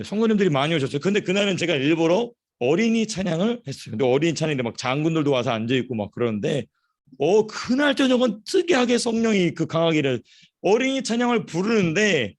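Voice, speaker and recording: A man preaching a sermon as a pastor, telling stories in an animated way and repeating phrases for emphasis. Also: fairly high pitch. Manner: storytelling, animated. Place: church.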